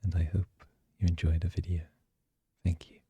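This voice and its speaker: A man giving a soft-spoken ASMR introduction to his audience. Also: sits low, flat delivery, normal speed, husky, no echo. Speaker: ASMR roleplay creator.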